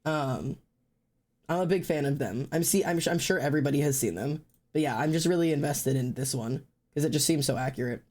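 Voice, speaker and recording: A streamer and artist in casual chat, talking in an excitable, rambling way and swearing freely. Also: medium pitch, a little fast.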